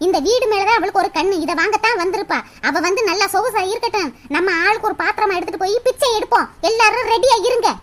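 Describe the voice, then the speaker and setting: A woman voicing a sharp-tongued young wife in a cartoon, scolding and sarcastic with mocking laughs. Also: very high-pitched, quick pace, hardly any pauses, a little hiss or hum. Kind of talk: cartoon voice acting.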